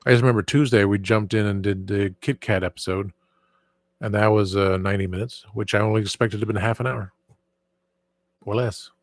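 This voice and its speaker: A man's voice: fairly low pitch, fairly even intonation, a little fast, dry recording. A man hosting his own channel in casual, rambling chat, often restarting sentences and trailing off into asides. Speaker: channel host.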